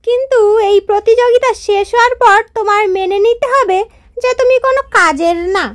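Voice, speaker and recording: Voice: very high-pitched, brisk, fairly bright tone. A performer voicing a boastful, overconfident hare in a children's cartoon, talking in a smug, mocking way. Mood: smug, taunting. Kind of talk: children's moral-story cartoon dialogue.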